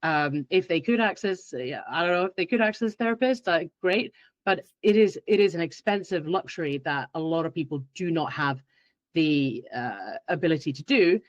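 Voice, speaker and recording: A woman's voice: sits low, animated, moderate pace, dry recording. Woman, podcast guest, acts out her own thoughts, dry muffled sound. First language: Finnish. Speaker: guest expert. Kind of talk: podcast interview.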